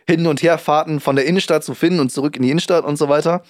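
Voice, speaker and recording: A man's voice: fairly high pitch, steady tone, fast talker, no echo, clean studio sound. A young man co-hosting a casual podcast, chatty and rambling, with lots of fillers and restarts. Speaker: podcast co-host. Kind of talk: casual chat.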